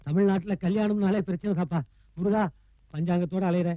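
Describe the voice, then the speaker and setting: An actor playing a fawning, wailing comic servant. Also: male voice, sits high, fairly even intonation, a little fast, no echo, narrow, tinny audio, natural voice. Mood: grumbling. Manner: wailing, theatrical self-abasing. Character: fawning comic male estate servant, melodramatic. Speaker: loyal servant of a rich widow. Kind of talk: 1990s film comedy acting.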